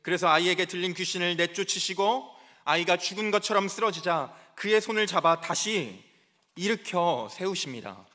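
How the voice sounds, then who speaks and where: A man's voice: sits high, lively intonation, normal speed, sharp tone. A man, a junior pastor, preaching a sermon in church in an earnest way and repeating key phrases for emphasis.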